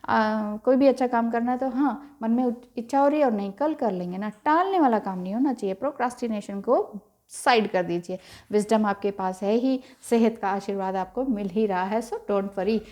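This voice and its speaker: A woman giving a gentle, reassuring tarot reading and mixing in English phrases. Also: fairly high pitch, moderate pace. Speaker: tarot reader.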